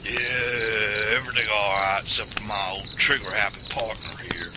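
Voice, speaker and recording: A man playing a gruff old Southern coot. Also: lowish voice, steady tone, moderate pace, heavy background noise, natural voice. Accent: rural Southern US. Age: older. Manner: gruff folksy drawl, bossy. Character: crusty old Southern Vietnam vet, bossy, hard of hearing. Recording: loud night crickets behind.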